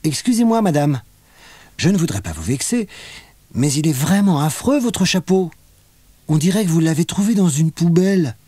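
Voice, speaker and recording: A man voicing a stubborn, outspoken little girl in a children's audiobook, talking high and insistent. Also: very animated, mellow, husky, no room sound. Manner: high, insistent, quick when arguing.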